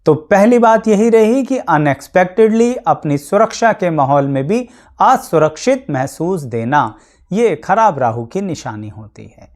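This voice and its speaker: A man's voice: high-pitched, animated, measured pace, a little mellow. Male astrologer explaining to viewers. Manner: plain, practical explanations with everyday examples; mixes English words into Hindi.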